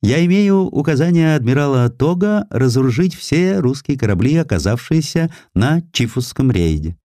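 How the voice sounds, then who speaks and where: A male narrator plays a haughty Chinese admiral in an audiobook. The voice is pitched up, imperious and dismissive, with menace in its emphatic delivery and a dry, close sound. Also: sing-song, normal speed, warm tone, no echo, lightly acted. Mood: menacing. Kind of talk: audiobook character acting.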